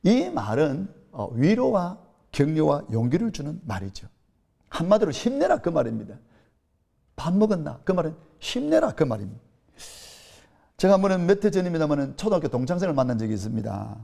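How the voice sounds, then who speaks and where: Preaching in a Gyeongsang Korean accent, this man in his fifties tells stories with earnest conviction, climbing to emphatic high points. His slightly high voice is gravelly yet warm, a bit fast, and sing-song in its rhythm.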